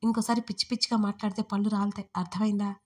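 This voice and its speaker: A woman's voice: medium pitch, flat delivery, rapid-fire, a little mellow, slightly rough, natural voice. A woman voicing a bossy, possessive young man who teases and threatens in an audio story. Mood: angry. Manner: teasing, then threatening.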